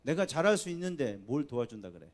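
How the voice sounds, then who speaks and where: A man preaching a sermon in a church. He swings between soft, low asides and loud, emphatic appeals to the congregation. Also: very animated, quick pace. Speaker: pastor. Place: church sanctuary.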